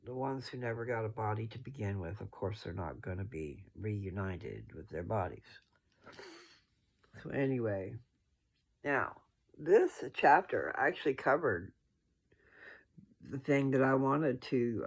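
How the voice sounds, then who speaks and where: Gravelly, sleepy man rambling about scripture. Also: medium pitch, lively intonation, a little slow. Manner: folksy, rambling, self-correcting. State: sleepy, yawning. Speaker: host reading and discussing scripture. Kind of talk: casual rambling religious commentary to followers.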